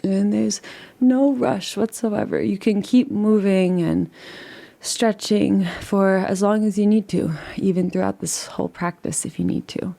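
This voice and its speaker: A woman guides a relaxation meditation. Her voice is mellow and relaxed, with a strong creaky fry running through it and a medium pitch. She gives gentle instructions in a soothing, unhurried manner.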